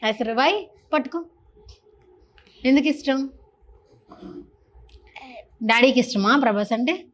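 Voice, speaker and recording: A woman's voice: high-pitched, expressive, slow. A woman interviewing children in a casual, teasing and chatty way, holding a handheld mic. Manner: playful, teasing, chatty with kids.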